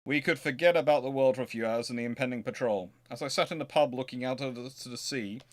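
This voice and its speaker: A man's voice: mid-range voice, fast. Man hosting an informal history talk. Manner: hesitant, thinking aloud, self-correcting. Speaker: host of a naval history show. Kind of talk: informal question-and-answer talk and reading aloud from books.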